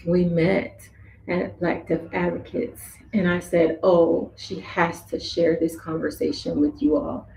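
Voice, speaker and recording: A woman voicing a signed introduction and interview as interpreter, speaking slowly in measured phrases. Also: on the low side, flat delivery, vocal fry, dark tone, slight background noise. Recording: echoey room with faint ambience.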